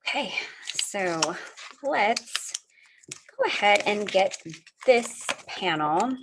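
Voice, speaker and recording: A woman's voice: medium pitch, expressive, very slow, a bit bright, a little hiss or hum, rough recording. A middle-aged woman hosting a live card-making demo, friendly and chatty, a little sniffly, answering viewers as she works. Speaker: craft livestream host.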